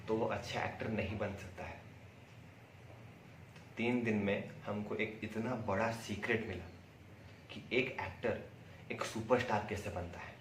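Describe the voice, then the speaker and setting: An Indian man giving a prepared testimonial in a deliberate, emphatic way, with pauses and repeated words. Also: fairly low pitch. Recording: roomy echo, distant mic, faint noise.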